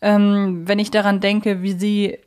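A woman's voice: mid-range voice, little pitch movement, unhurried, darkish tone. Woman in casual, analytical podcast talk. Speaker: podcast host.

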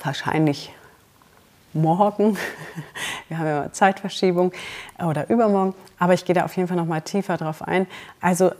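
A woman's voice: lowish voice, steady tone, normal speed, long pauses. Encouraging woman podcast host. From Germany. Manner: warm, encouraging, direct address to the listener. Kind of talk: motivational podcast talk.

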